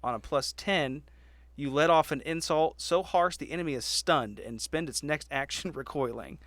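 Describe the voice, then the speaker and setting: A man's voice: fairly high pitch, normal speed, a bit bright, dry recording. A man playing in a tabletop roleplaying podcast, chatting informally with an amused manner. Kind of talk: casual game chat, reading rules aloud.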